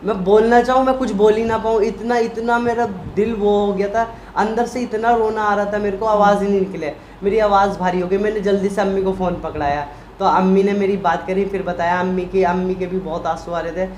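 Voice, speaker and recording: A man in a casual vlog chat, retelling a hospital story in an animated, emotional way and acting out what people said. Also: high voice, fairly quick, roomy sound, a little hiss or hum. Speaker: vlogger, husband.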